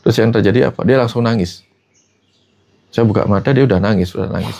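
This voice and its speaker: Speaking fast in a fairly low, gravelly voice with a darkish tone, this spiritual teacher shares stories in a relaxed spiritual talk. He frequently calls his host by name and quotes the people in his stories.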